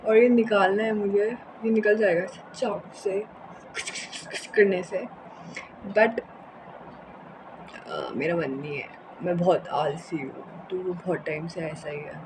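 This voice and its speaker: A young woman with a hoarse, sore throat chats casually and unscripted in a rambling home vlog, mixing in English words. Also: fairly low pitch, fairly even intonation, slow pace, background noise. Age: young adult. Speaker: vlogger. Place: indoors in a room at home.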